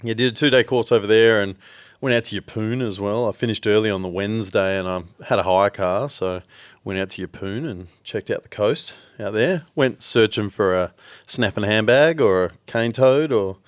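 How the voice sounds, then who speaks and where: Laid-back Australian man, low voice. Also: moderate pace, no echo. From Western Australia. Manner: laid-back, rambling with fillers. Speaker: podcast co-host. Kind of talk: casual chat.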